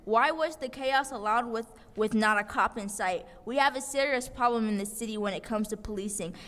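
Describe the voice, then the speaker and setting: A young woman speaks at a city council meeting, her comments impassioned and accusing. Her voice sits fairly high. It rings with the long reverb of a council chamber. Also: fairly quick, fairly bright tone. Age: young adult. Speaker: public commenter. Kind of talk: prepared public comment.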